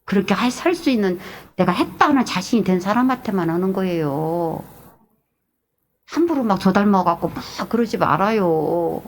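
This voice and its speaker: A middle-aged woman pastor preaching an animated sermon, moving between loud exclamations and hushed, whispered asides. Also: mid-range voice, normal speed.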